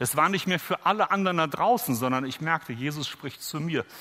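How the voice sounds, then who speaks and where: A man talking at a fairly quick pace, with ordinary pitch variation and a bright, sharp tone. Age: 50s. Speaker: guest preacher. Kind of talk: sermon.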